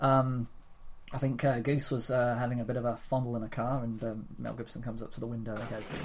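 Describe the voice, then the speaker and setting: Speaking very fast, a man keeps a medium pitch with monotone, flat intonation. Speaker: podcast host. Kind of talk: casual chat.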